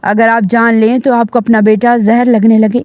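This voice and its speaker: A woman's voice: on the high side, level tone, no echo, lightly acted. A protective young man speaks with stern, held-back anger, read by a woman narrator. The recording is dry and close. It is slightly dull. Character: angry protective young man, older brother.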